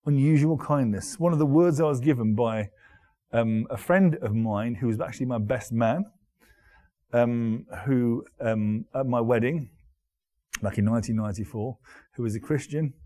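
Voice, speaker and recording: Halting pastor, middle-aged. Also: male voice, medium pitch, warm tone. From Derby, England. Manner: conversational, halting, with frequent restarts and repeated words. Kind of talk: sermon.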